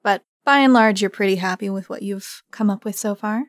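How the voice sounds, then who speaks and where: Female podcast host, medium pitch, effusive delivery, conversational, very dry close recording. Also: fairly quick, dry recording. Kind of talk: interview hosting.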